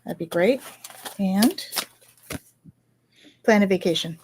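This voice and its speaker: A woman's voice: mid-range voice, takes it slowly, a little mellow, slight background noise. Chatty, reassuring female card reader. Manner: chatty, reassuring, lots of "okay?". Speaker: spiritual medium and card reader. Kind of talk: casual podcast chat.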